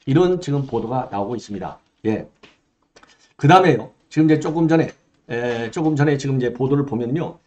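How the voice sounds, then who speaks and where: A man's voice: mid-range voice, lively intonation, fairly quick, a little mellow. An older man hosting solo political commentary, emphatic, with rhetorical questions and frequent filler affirmations. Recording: dull lo-fi sound.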